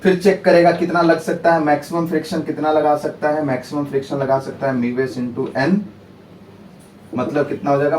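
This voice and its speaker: A man's voice: medium pitch, darkish tone, far from the mic, slight background noise. Man teaching physics in a roomy hall. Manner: dramatic, personifies friction pleading; asks students rhetorical checks. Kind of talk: exam-prep lecture.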